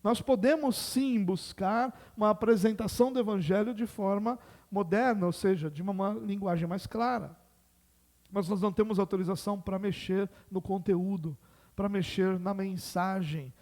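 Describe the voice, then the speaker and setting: A man with a high, darkish voice and a Brazilian Portuguese accent preaches an expository sermon as pastor at a moderate pace. He explains things patiently and poses rhetorical questions.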